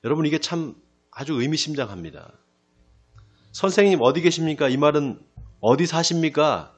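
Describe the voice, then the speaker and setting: A male pastor giving a sermon. He asks the congregation questions and answers them himself, slows down to stress key phrases, and often drops to a quiet close. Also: on the high side, soft background music. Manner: lively preaching, rising then dropping to a quiet close. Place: church sanctuary.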